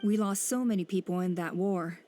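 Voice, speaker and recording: An actress playing a female tribal elder who speaks calmly and deliberately, weighing each point. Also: fairly low pitch, natural voice. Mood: measured. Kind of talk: video game cutscene dialogue.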